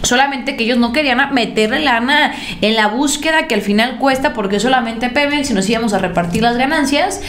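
Young Mexican-accented woman commentator, higher voice, punchy and sarcastic, echoey room. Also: a little fast, few pauses. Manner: emphatic, sarcastic, animated pitch swings. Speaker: political commentator. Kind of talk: opinionated news commentary. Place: indoor room at a desk. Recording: roomy echo.

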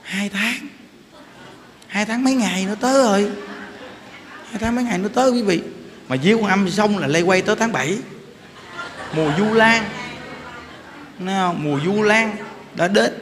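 A middle-aged man gives a sermon as a Buddhist monk, speaking in a high voice. He tells homely stories and keeps checking whether his listeners follow him. The sound carries a long hall echo and a faint hiss behind it. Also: normal speed, long pauses, a bit bright. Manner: chatty storyteller, often laughs and asks the audience "hiểu không?". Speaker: Buddhist monk giving a dharma talk. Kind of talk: informal sermon with anecdotes. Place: temple hall. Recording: reverberant hall with faint background noise.

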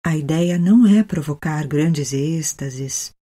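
Brazilian woman, meditation guide. Mellow, husky voice, gentle and unhurried delivery. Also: sits low. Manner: gentle, unhurried, with long pauses. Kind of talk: guided meditation, soothing narration.

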